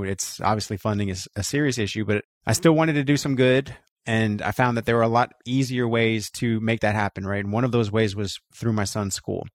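Male guest from Florida, lowish voice, relaxed rambling storyteller, dry sound. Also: no echo. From Florida, USA. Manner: relaxed, frequent "you know" and "right?". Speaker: guest, co-founder of a voting rights group. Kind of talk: casual personal storytelling.

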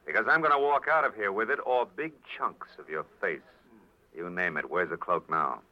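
Low-voiced hard-boiled radio private eye played by a man. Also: normal speed, natural voice. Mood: threatening. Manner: wisecracking, dramatic. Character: hard-boiled male private detective, tough and wry. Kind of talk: 1940s radio acting, first-person noir narration. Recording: dull old radio recording, loud music.

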